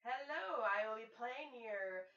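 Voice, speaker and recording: A woman playing a tabletop game, bantering in a loud, playful and blunt way. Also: fairly high pitch, animated, unhurried, far from the mic. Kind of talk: casual banter while playing. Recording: dull echoey sound, a bit off mic.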